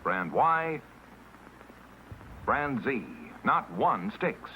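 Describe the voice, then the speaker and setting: A man's voice: very animated, very slow, bright, forceful tone, slight background noise, rough recording. Punchy 1950s TV commercial announcer, male. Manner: emphatic, punchy sales pitch.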